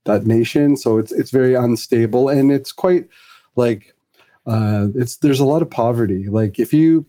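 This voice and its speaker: A man's voice: mid-range voice, normal speed, warm tone. A middle-aged man from Fiji, a podcast guest chatting casually and rambling with lots of fillers and restarts. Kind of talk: casual conversational interview.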